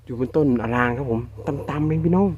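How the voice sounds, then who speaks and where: A man with a Northeastern Thai accent narrating a casual outdoor vlog while he harvests wild bee nests, exclaiming excitedly and calling his viewers brothers and sisters. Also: a little high, quick pace, muffled recording, slight background noise. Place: outdoors in rural scrubland.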